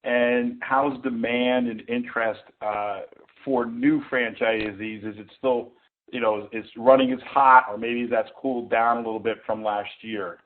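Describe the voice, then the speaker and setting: A male analyst with a medium-pitched voice puts questions on an earnings call. His phrasing is hesitant and conversational, and the sound is a narrow phone line. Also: fairly even intonation, unhurried. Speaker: financial analyst.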